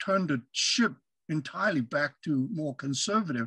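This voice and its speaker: Bright and sharp in tone, a man speaks with lively intonation and a fairly high pitch at a moderate pace. The recording is very clean with a silent background and a dry, close sound with no echo. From Hong Kong. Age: 70s. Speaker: pastor. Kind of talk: panel discussion.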